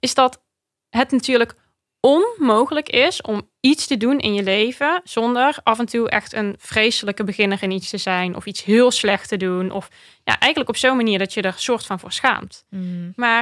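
A woman speaks at a moderate pace against a quiet background. Her pitch is fairly high. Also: ordinary pitch variation. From Limburg, Netherlands. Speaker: business coach, former beauty queen; business coach. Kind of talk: casual interview chat; interview answer. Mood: open, reflective. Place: studio. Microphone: studio mic.

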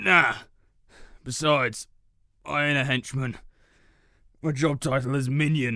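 A man talks at a moderate pace and medium pitch with fairly even intonation. Long pauses come often. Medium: audio drama. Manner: gruff, blustering, weary.

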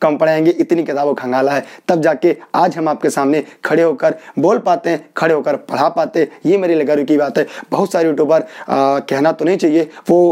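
A man talks at a moderate pace in a plain, everyday voice, fairly high in pitch, with fairly even intonation and very even loudness against a quiet background. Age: young. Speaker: exam coaching teacher. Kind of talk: online lecture. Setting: standing while teaching. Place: classroom. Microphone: phone near.

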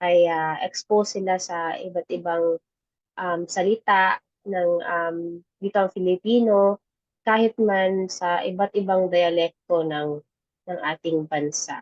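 A woman at a medium pitch, fairly slow and fairly even in intonation, with big swings in loudness. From Cebu City, Philippines. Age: 30s. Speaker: interviewee. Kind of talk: interview. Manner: halting with fillers.

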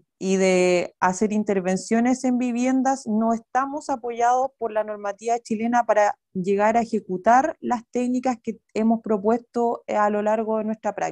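Over a quiet background, a woman with an ordinary speaking voice talks at a fairly slow pace in a fairly high pitch, her intonation fairly even and her speech with hardly any pauses. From Chile. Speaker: civil builder presenting a proposal; presenter. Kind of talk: formal presentation. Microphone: video call.

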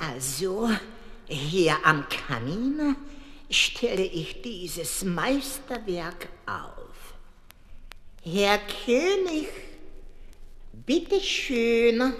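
A cartoonish character voice, fairly high and pompous, moves at a very slow pace with very wide pitch swings, a clear echo and light background noise. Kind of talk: comic puppet theatre. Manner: pompous, petulant, bossy.

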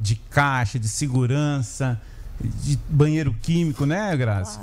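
Intonation here is lively. The man delivers it all at a very slow pace. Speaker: guest. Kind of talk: interview answer. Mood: warm, inviting. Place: studio. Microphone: studio mic.

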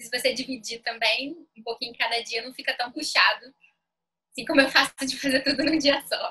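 At a fairly quick pace, a woman with a high pitch and a bright, sharp tone uses a raised, projected voice with big swings in loudness. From Brazil. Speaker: content creator and international relations student; content creator. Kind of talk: interview. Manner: animated. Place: home room. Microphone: video call.

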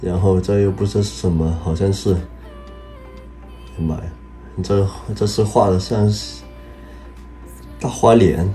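The speaker has a Cantonese accent and leaves long, frequent pauses. Music plays in the background. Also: man, very deep, low pitch for a man, lively intonation, moderate pace. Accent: Cantonese-accented Mandarin. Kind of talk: humorous voiceover commentary.

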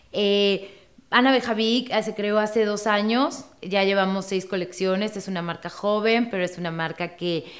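A woman's fairly slow speech with ordinary pitch variation. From Mexico, Veracruz. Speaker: fashion brand creative director. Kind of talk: promotional interview. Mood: upbeat, friendly promotional. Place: studio.

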